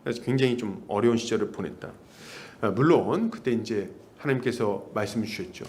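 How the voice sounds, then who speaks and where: A man preaching an expository sermon as a pastor, lively and now and then imitating others. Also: lowish voice, a little fast, slight background noise. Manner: lively, mimics the people he talks about.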